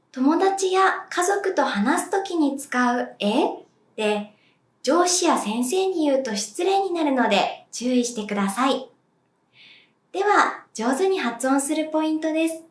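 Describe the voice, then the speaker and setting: A woman teaching as a language teacher, speaking clearly and deliberately and demonstrating sounds for viewers to repeat. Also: high voice. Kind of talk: slow, clear pronunciation lesson. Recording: echoey room.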